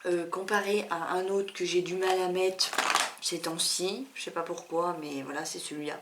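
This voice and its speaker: A woman's voice: fairly low pitch, steady tone, moderate pace. Woman doing a casual beauty vlog, chatty and candid, lots of little asides, faint hiss behind. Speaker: beauty vlogger. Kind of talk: casual product review.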